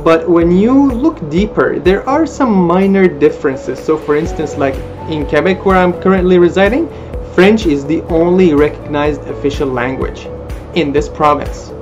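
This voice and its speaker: A man in his thirties, native Armenian speaker, giving an expressive, informational talk to camera from a small room. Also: on the high side, normal speed. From Middle East, Arabic-speaking country. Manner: lively, expressive, gestures with hands. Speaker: language school presenter. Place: small indoor room, plain wall. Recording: dull lo-fi webcam audio with music behind.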